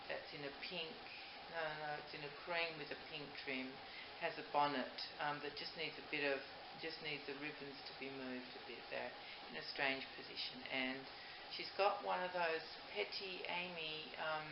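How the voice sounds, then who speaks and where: A deep, gravelly voice with a steady tone carries this older doll maker's casual, gushing monologue to camera. She moves at a moderate pace with hardly any pauses. The home recording sounds roomy, muffled, and noisy.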